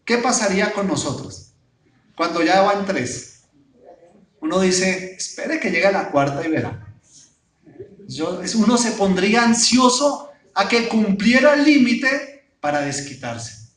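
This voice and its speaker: A male pastor preaches a sermon, often asking his listeners rhetorical questions. His voice sits high and rings through a reverberant church hall. He stands a little away from the microphone. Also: very animated, a little slow, a bit bright, far from the mic. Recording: echoey church hall, voice off-mic.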